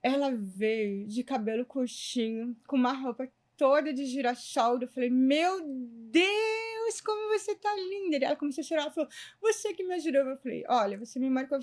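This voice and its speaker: A Brazilian woman with a high, bright-sounding voice recounts a case in a relaxed chat. She speaks as a lawyer and acts out each quoted line of the exchange, bringing the dialogue to life. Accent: Brazilian Portuguese. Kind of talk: conversational storytelling.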